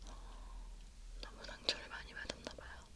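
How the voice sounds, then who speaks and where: A woman whispering in a gentle, unhurried, reassuring way, playing a caring sci-fi robot repairwoman in an ASMR roleplay.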